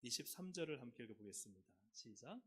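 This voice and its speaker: A man preaching from the pulpit of a church, his voice at an ordinary middle pitch. He asks the congregation questions and leads them in reading scripture aloud, swinging between loud emphatic peaks and soft asides. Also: very animated, quick pace, husky. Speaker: pastor. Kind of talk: sermon. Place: church sanctuary.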